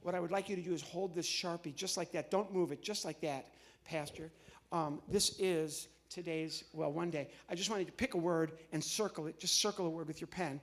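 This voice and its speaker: High-voiced middle-aged American comedian, a man. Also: fairly even intonation, fairly quick. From Midwestern United States. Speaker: comedian and entertainer. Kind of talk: live stand-up comedy patter to an audience. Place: on stage in a large church hall.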